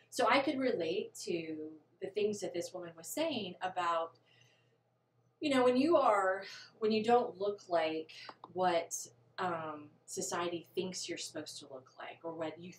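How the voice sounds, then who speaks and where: A woman's voice with very wide pitch swings at a fairly slow pace, amid audible room echo and light background noise. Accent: American. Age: 50s. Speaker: podcast co-host. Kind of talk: casual chat. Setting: studio. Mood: earnest, opinionated. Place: home room.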